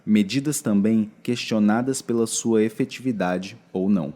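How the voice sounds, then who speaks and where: Low, mellow Brazilian male narrator. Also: normal speed. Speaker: narrator of a documentary podcast. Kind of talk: scripted narration.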